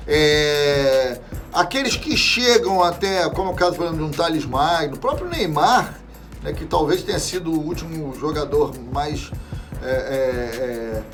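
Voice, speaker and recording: Lively-pitched man in his forties from Brazil. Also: normal speed, soft background music. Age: 40s. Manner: animated, swears freely, trails off and restarts. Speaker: interview guest. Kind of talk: casual football chat.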